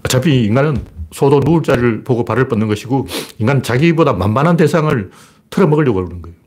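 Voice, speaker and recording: A man's voice: mid-range voice, lively intonation, fast, a little mellow, husky. A man giving casual political commentary in a sarcastic, mocking way, with scoffing asides and emphatic rises to drive his points home.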